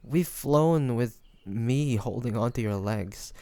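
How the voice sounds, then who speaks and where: A man playing a devoted young man, a tender best friend in an intimate fantasy audio roleplay, speaking gently and haltingly with sighs and pauses. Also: mid-range voice, no room sound. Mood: anxious, pleading.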